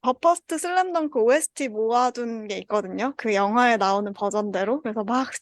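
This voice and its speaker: A woman's voice: on the high side, brisk, dry recording, studio quality. A woman in her thirties hosting a casual group chat. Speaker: podcast host. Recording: music playing behind the talk. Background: background music.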